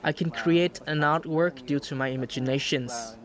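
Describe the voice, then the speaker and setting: A man's voice: a little high, normal speed, heavy background noise. A man offering plain, considered opinions in an interview. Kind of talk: interview comments.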